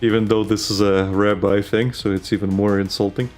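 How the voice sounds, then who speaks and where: A man's voice: on the low side, level tone, fairly quick, a little mellow, soft background music. A man co-hosting a casual chat show, rambling with lots of fillers and restarts. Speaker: podcast co-host.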